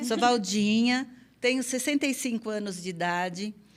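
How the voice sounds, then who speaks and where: A woman speaks at a fairly slow pace with a fairly high pitch. Her pitch varies in an ordinary way, and the recording is very clean with a silent background. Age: 60s. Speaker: church member and ministry volunteer. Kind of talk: casual chat. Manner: animated.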